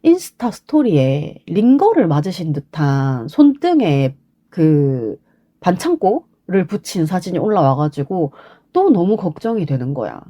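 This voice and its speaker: A woman's voice: fairly low pitch, big pitch swings, a little slow, warm tone. A woman podcast host talking casually on her own, congested and nasal from a cold. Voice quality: heavily congested, stuffed-nose nasal voice. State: has a cold, sniffling and throat-clearing. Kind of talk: casual solo podcast monologue.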